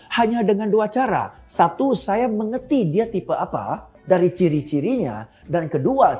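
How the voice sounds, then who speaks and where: Lively, fairly high-voiced male trainer. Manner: animated, laughs often, mixes in English phrases. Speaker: customer service trainer. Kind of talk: recorded training lesson.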